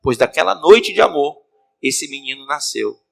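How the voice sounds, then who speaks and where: A man's voice: fairly high pitch, normal speed, creaky. A man preaching in a church, telling a story as a sermon and calling out to the congregation, with a Cearense Brazilian Portuguese accent. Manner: animated, addresses the congregation directly. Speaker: bishop, preacher.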